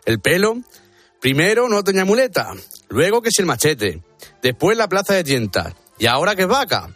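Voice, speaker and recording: A man's voice: sits high, very animated, normal speed, fairly bright tone, no echo, faint music behind, exaggerated voice. A man acting a bullying, impatient army officer with an accent from Spain in a comic radio sketch, blustering and threatening. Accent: Spanish from Spain.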